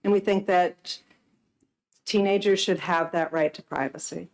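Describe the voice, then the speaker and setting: A woman social worker giving formal, earnest testimony to a legislative committee, speaking in a measured way in a hearing room. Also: lowish voice, fairly even intonation, creaky.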